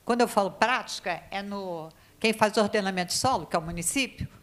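A woman's voice: medium pitch, fairly quick. A woman speaks at a legislative committee hearing, emphatic and worried, thinking aloud with restarts and shivering from the cold. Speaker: committee member questioning experts. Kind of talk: spontaneous committee speech.

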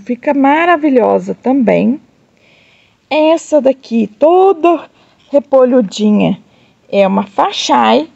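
A Brazilian woman showing off her succulents in a casual vlog, gushing over each plant and speaking warmly to her viewers. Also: high voice, lively intonation, slow pace, gravelly, dry recording, dull audio. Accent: Brazilian Portuguese. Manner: gushing, addresses viewers as "gente", coos over plants with diminutives. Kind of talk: casual show-and-tell vlog.

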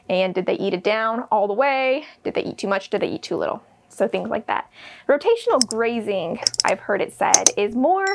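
A young woman, a shepherd, explaining grazing in a steady, practical instructional lesson, recorded indoors at a whiteboard. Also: fairly high pitch, gravelly. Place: indoors in front of a wooden wall and whiteboard.

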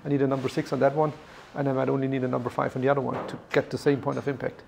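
A man's voice: mid-range voice, level tone, rapid-fire, gravelly, a little mellow, a little hiss or hum. German-accented man explaining on a factory tour. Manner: explanatory, hesitant with fillers and restarts. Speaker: factory guide. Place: large workshop hall indoors.

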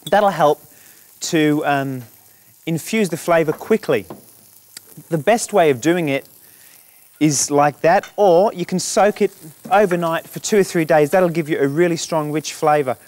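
A man's voice: a little high, moderate pace. A man with an Australian accent, a chef explaining a dish step by step on a studio kitchen set. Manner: relaxed, explanatory, chatty. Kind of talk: cooking demonstration.

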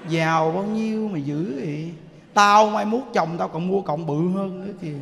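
A high-voiced man doing a jealous gossiping woman, sneering and scornful, slow and spiteful, in a reverberant hall. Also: vocal fry, a bit bright, slight background noise. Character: catty jealous woman mocking a neighbor.

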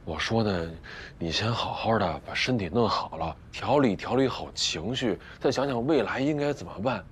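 An actor playing a hospitable husband who talks in a coaxing, reassuring, chatty way. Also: male voice, fairly low pitch, animated, normal speed, a little hiss or hum, natural voice. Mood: placating. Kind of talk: TV drama acting.

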